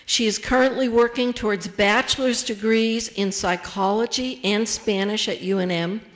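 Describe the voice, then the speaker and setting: A woman serving as the emcee of a ceremony, reading out names, titles and introductions in a measured way. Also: medium pitch, steady tone.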